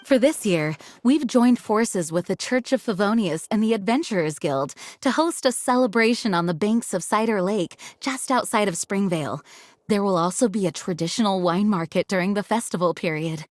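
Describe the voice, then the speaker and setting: A woman voicing a composed adult woman officer who explains traditions in a formal, measured way, in a video game. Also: medium pitch, natural voice. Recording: game audio with faint music.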